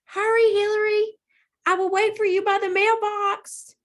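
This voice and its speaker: A woman's voice: very high voice, level tone, unhurried, fairly bright tone, voice pushed up. A woman voicing a tiny, chatty dragonfly girl in a storybook, an urging and wide-eyed best friend.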